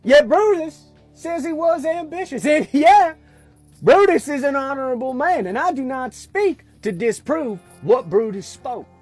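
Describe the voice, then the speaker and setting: A man with a Southern US accent and a husky voice, reciting a Shakespeare monologue in a casual, halting way with restarts. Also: very high voice, lively intonation, darkish tone, faint music behind.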